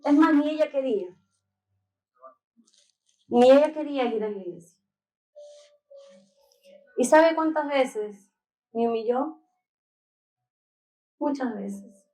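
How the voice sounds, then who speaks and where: A woman's voice: sits high, slow pace, pauses often, mellow. A young woman from Peru giving an earnest, tearful testimony to a congregation, calling them brothers. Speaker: church member giving testimony. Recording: echoey church hall.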